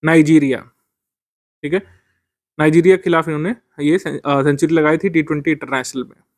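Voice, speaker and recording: A man's voice: a little high, steady tone, brisk, no echo. A man teaching current affairs for a civil services exam, explaining step by step with frequent fillers.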